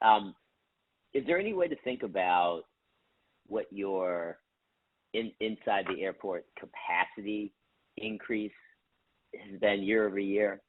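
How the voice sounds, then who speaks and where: A man calling in as a financial analyst, asking casual, halting questions on an earnings call. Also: lowish voice, no echo. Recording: dry, narrow phone-line caller.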